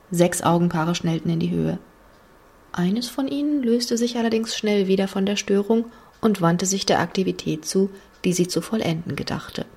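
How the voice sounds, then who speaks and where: A woman narrating a thriller audiobook in a measured storytelling manner with hushed passages. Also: medium pitch, gravelly, slightly rough.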